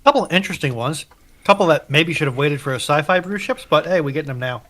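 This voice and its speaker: A man's voice: on the high side, animated, fast talker, fairly bright tone. A man co-hosting a live chat, joking and teasing in short remarks. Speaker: co-host.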